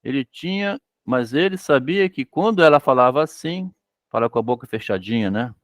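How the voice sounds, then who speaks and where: Expressive and medium-pitched, a Brazilian man reads from a story at a moderate pace and pauses to explain it in lecture style. He dramatizes the characters' lines and keeps interjecting "né?". The studio-quality recording has no room sound.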